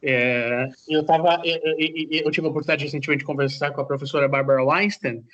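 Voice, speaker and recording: A man hosting a podcast, asking long questions in a halting way as he searches for his words. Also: on the high side, fairly even intonation, fairly bright tone, dull audio, a little hiss or hum. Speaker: podcast host. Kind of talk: casual podcast interview.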